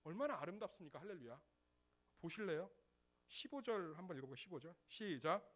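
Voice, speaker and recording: A middle-aged pastor preaches in a lively, swooping voice that sits a little high for a man. He talks to the congregation like a conversation, tossing out rhetorical questions and having them repeat phrases back. His delivery is animated rather than solemn. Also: quick pace. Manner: leads congregation in call-and-repeat. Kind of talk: sermon.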